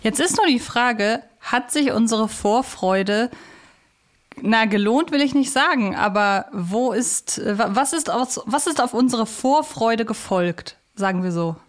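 A woman's voice: a little high, expressive, unhurried. A woman co-hosting a podcast, giving a review in casual conversation. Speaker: podcast co-host. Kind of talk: casual review chat about audio drama episodes.

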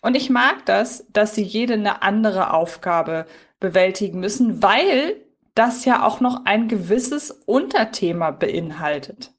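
A woman's voice: mid-range voice, animated, unhurried. A woman co-hosting a podcast in casual chat, tentatively qualifying her opinions as she goes. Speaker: podcast co-host. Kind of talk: casual chat reviewing a story.

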